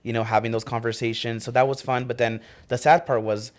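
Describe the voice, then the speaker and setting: A man, a union organizer guest, telling stories in a relaxed, chatty way on a radio talk show. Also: mid-range voice, fairly quick. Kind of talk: casual chat.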